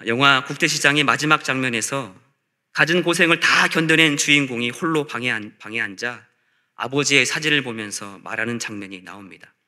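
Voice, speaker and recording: A man preaching a sermon as a pastor, in measured rhetorical phrases with repetition. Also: medium pitch, bright, forceful tone. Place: church service.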